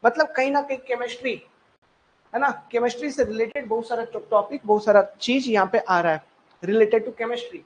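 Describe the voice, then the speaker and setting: A man with a very high-pitched voice teaches a live online exam-prep class on his own mic at a normal speed. He repeats himself and keeps checking in with his listeners, and the rough recording has a little hiss or hum.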